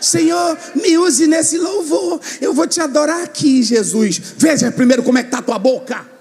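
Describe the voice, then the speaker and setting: High-pitched fiery preacher man in echoing hall. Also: brisk, creaky, faint music behind. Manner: shouting, sing-song preaching with call and response. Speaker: pastor. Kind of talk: fiery Pentecostal sermon. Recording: long echo of a large hall.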